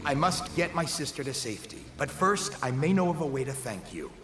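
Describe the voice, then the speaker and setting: A man's voice: mid-range voice, animated, a little fast, noisy background, natural voice. A man acting as an earnest, protective brother pleading for his sister in a video game, with reverb on the voice. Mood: earnest, grateful. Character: desperate, protective brother of an accused witch. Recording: long reverb, music underneath.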